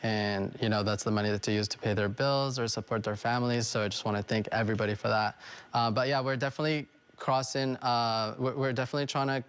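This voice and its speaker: A young adult man who owns a restaurant, interviewed on TV and speaking in a relaxed, friendly way with many fillers. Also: mid-range voice, quick pace, clean tone. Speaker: restaurant owner guest. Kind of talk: casual interview.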